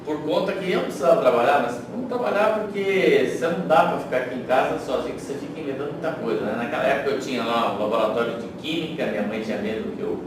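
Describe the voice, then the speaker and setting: A man's voice: medium pitch, rapid-fire, few pauses. A middle-aged man with a São Paulo accent telling stories about himself conversationally as an interview guest. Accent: São Paulo Brazilian Portuguese. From São Paulo, Brazil. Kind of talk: conversational career reminiscence. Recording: very echoey, noisy room, distant microphone.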